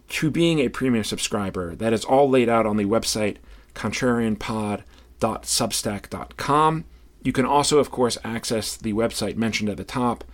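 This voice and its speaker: Male podcast host, medium pitch. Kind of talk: podcast announcements and interviewing.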